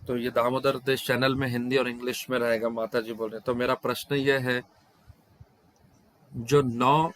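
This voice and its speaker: Over an online video call, a man interprets the questions and answers of a devotional scripture class. His medium-pitched voice is bright and forceful, and he frequently cuts off words mid-phrase to start them again.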